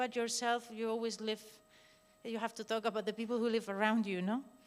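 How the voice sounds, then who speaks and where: A fairly quick pace with a Spanish accent. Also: woman. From Spain, Basque Country (Bilbao). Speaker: author. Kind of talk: interview at a literary event. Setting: stage with audience. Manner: halting, many repetitions.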